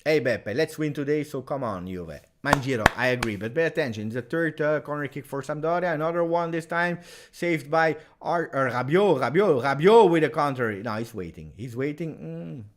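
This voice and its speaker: Guy doing live match reactions, voice jumps all over, yells when it gets close. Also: a little high, moderate pace. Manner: chatty and partisan, bursting into excited shouts at chances. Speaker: fan channel match reaction host.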